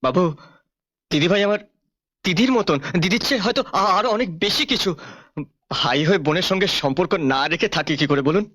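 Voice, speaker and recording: An actor playing a loyal, humble servant who stammers gently in a film drama. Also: male voice, high-pitched, animated, a little fast. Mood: pleading. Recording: film soundtrack with faint music.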